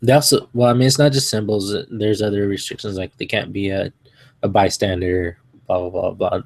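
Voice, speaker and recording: A man's voice: on the low side, steady tone, brisk, no echo. A man speaking as a guest on a podcast in casual chat about a tabletop game, making dry, wry asides.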